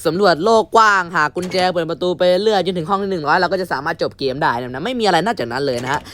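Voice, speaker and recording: A man's voice: high voice, expressive, racing. Thai gamer man, chatty and crude. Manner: mock-polite announcer tone turning crude and shouty. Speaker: gamer commentating his playthrough. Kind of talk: casual gameplay commentary.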